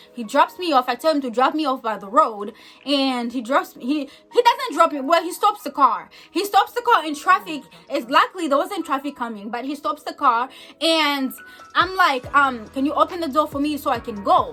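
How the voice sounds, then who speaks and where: Over music in the background, a woman speaks in a raised, projected voice with big swings in loudness and an animated tone. Her high pitch swings very widely while her pace stays moderate. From Zambia. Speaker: YouTube lifestyle vlogger. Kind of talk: storytime vlog.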